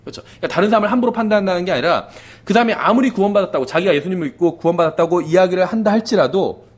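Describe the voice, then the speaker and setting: A male pastor preaching in a brisk, conversational way, with his voice swinging high and low. He keeps checking in with the congregation and lets phrases fade to a quiet low finish. His voice sits a bit higher than most men's. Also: expressive. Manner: conversational preaching, often asks the congregation "그렇죠?"; drops to a soft low voice at the ends of phrases. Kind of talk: sermon.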